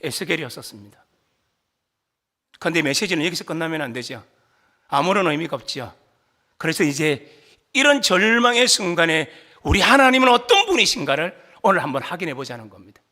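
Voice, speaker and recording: A man preaching a sermon as pastor, animated, asking the congregation questions and leading them in reading, at times rising to shouts for emphasis. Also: a little high, brisk. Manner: asks the congregation questions and leads group reading.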